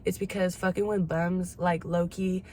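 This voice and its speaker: A woman's voice: on the low side, level tone, normal speed, warm tone. A woman in her twenties talking candidly in a casual confessional chat, slangy and swearing freely. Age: 20s. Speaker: vlogger. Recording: clear background ambient noise.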